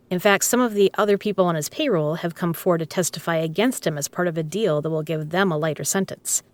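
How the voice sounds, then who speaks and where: A woman's voice: fairly low pitch, no room sound, lightly acted. A woman playing a tough, teasing poker club owner with a dry, casual manner in an audio drama. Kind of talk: scripted audio roleplay spoken to the listener.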